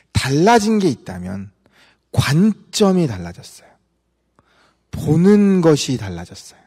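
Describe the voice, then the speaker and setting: A man's voice: medium pitch, darkish tone, breathy edge. A man preaching a sermon as pastor, telling a story with acted-out dialogue and asking the congregation questions. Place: church sanctuary. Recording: church hall reverb.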